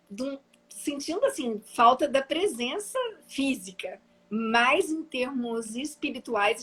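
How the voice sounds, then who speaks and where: A woman from Brazil with a Minas Gerais accent, a guest on a live stream, telling stories in an animated way and often laughing. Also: on the high side, husky, poor audio. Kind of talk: storytelling in a live chat.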